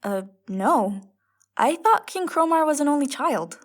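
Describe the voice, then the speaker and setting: Fantasy comedy sleuth, female actor: high, animated, reasonable, quick to question. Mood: inquisitive. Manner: inquisitive, matter-of-fact. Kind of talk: audio fiction comedy acting.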